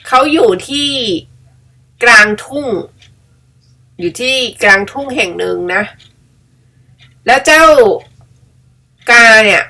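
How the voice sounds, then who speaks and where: A woman's voice: fairly high pitch, lively intonation, slow pace, gravelly, long pauses, bright, forceful tone. A middle-aged woman chatting casually and playfully as she tells a story of her own, laughing at herself. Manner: chatty, self-mocking, laughs often. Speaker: storyteller and vlogger. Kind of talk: casual storytelling while editing pictures.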